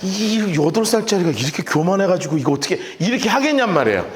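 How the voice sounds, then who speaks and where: A man's voice: high voice, very animated, quick pace. A male pastor preaching a sermon and telling stories with playful acted voices. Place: church hall. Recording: echoey church hall.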